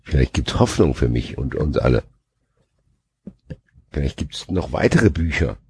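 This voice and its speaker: A man's voice: rumbling low, big pitch swings, measured pace, a little mellow, slightly rough. A man co-hosting a podcast, bantering and raising objections in casual chat. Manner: banters and objects, repeats words emphatically. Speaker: podcast co-host.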